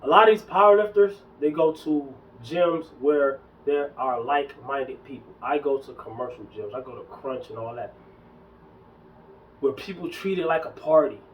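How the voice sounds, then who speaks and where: A fitness vlogger in his early forties rants casually to camera about gym culture and lifting, emphatic and slangy, repeating himself to drive points home. His voice sits mid-range at a moderate pace. The low-quality recording is distant, with a little hiss or hum.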